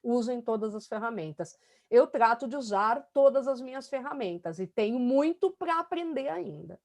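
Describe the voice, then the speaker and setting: A woman's voice: a little high, lively intonation, moderate pace, darkish tone. A middle-aged woman talking in a casual interview, emphatic and talkative, with many fillers. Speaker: student being coached.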